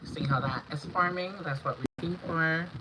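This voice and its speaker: A woman from Antigua and Barbuda, hoarse from a cold, talking viewers through a makeup look on a livestream. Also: sits low, a little fast. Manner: chatty, instructional, greets viewers by name. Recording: dull lo-fi stream audio with clear background noise.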